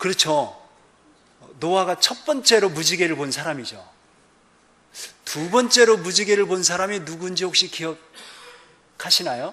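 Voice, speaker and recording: A man speaks in a high, raised, projected voice, leaving long, frequent pauses. Noticeable background noise runs under him. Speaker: missionary preacher. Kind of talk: sermon. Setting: church. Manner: slow.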